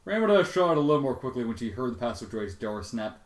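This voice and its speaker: Echoey, theatrical man with swooping pitch. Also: sing-song, fast talker. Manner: theatrical, exasperated, with sudden loud outbursts. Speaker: fan fiction reader and commentator. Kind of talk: dramatic reading with sweary ad-libbed commentary.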